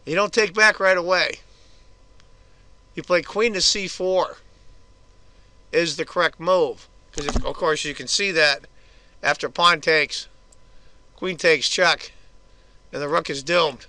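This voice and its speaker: Hoarse man commenting on chess. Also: fairly high pitch, takes it slowly, pauses often, pushed and bright, no echo. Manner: casual, chatty move-by-move analysis. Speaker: chess video host.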